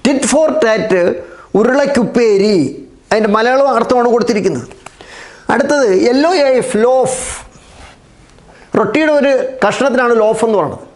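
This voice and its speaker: A man's voice: very high-pitched, moderate pace, long pauses. A man with a Malayali accent teaching an exam-prep English lesson, spelling words out letter by letter and repeating the key terms.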